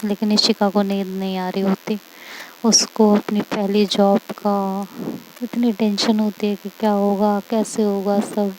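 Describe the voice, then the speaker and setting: A woman's voice: medium pitch, level tone, a little slow, darkish tone, low-quality recording. A woman telling a serialized love story in a chatty, informal way, repeating linking phrases between characters' lines. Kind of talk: casual spoken story narration. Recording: faint hiss.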